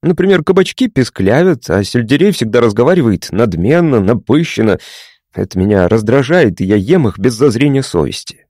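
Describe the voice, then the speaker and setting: A man's voice: medium pitch, animated, darkish tone, no echo, studio quality, close to an everyday voice. Man voicing a touchy young male patient. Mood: explaining. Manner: matter-of-fact, quickly offended.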